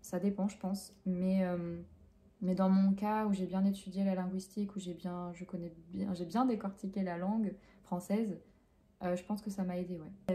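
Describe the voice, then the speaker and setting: A young woman from France who works as a French teacher talks through interview questions. Her voice is very dark and mellow, sitting at an ordinary pitch for a woman. She pauses a lot, fills gaps with hesitations and often restarts her sentences. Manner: hesitant, many fillers and self-corrections.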